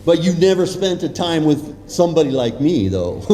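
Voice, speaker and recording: A man's voice: fairly high pitch, sing-song, normal speed, warm tone. An American man speaking playfully to students as a guest speaker, often checking in with questions, in an echoey hall. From California, USA. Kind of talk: interactive motivational talk to students. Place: large echoey room at a school. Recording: echoey hall with long reverb.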